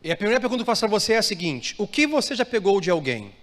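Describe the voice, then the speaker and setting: A man's voice: high-pitched, very animated, very fast. A Brazilian Portuguese-speaking male pastor preaching a sermon to a live congregation, asking them to repeat phrases and answer him. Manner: preaching with call-and-response prompts to the congregation. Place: church hall with live congregation. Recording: reverberant church hall, soft music.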